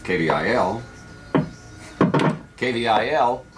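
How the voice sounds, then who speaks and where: Male music-radio DJ, forties, lowish animated voice, chatty, wry, close studio mic. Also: slow. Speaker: radio DJ on afternoon drive. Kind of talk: live music radio presenting. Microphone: close broadcast studio microphone on boom arm.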